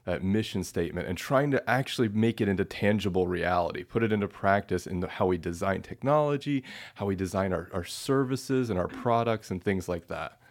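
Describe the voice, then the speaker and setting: A man's voice: low-pitched, expressive, fairly quick, hardly any pauses. A man being interviewed as a researcher, explaining ideas patiently with simple everyday examples and often checking in with "right?". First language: English. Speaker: guest researcher.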